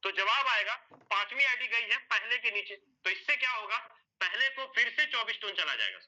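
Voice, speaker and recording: A man's voice: very high-pitched, bright, forceful tone. A man walking listeners through an explanation on a whiteboard, step by step, repeating points, asking himself questions and answering them, and calling his listeners sir and brother. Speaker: presenter explaining an earning plan. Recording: dull lo-fi recording.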